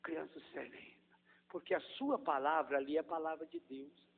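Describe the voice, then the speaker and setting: A man, a Catholic priest, preaching a sermon, swinging from hushed, gentle demonstration to loud, drawn-out emphasis. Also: fairly high pitch, lively intonation, creaky, slight background noise. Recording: echoey hall over a tinny, phone-like line.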